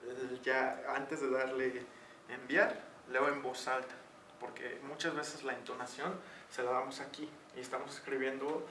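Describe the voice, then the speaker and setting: A man's voice: mid-range voice, sharp tone. A man with a Mexican accent giving an online tutoring session as teacher, talking in a chatty way full of fillers. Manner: chatty, uses many fillers. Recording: echoey room, distant mic, noisy.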